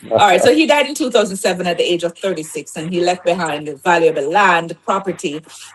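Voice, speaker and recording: Over noticeable background noise, a woman talks at a very fast pace with hardly any pauses, her intonation lively and her pitch fairly low. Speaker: radio host. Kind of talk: casual chat.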